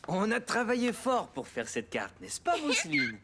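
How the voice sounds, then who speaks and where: A man's voice: sits high, moderate pace, background noise, exaggerated voice. A man voicing a playful, encouraging young boy's father in a children's cartoon. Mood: jolly. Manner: animated, encouraging. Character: playful, kindly father of a small boy. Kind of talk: children's cartoon dubbing in French.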